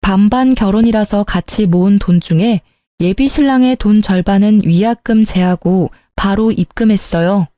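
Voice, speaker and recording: A woman narrating a first-person drama story, sharp-tongued and dramatic. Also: medium pitch, normal speed, few pauses, dry recording, studio quality.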